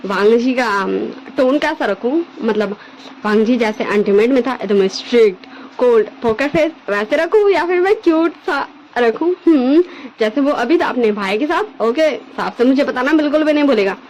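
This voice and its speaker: Woman, casual storyteller, chatty, mixes in english words, high voice. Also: expressive, moderate pace, darkish tone, slight background noise, poor audio. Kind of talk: casual retelling of her own fan story.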